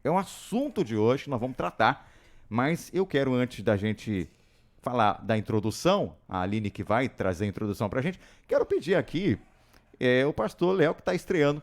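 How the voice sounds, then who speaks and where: Lively, chatty male radio host. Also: medium pitch, normal speed. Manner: lively, chatty, laughs often. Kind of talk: casual radio studio chat. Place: radio studio.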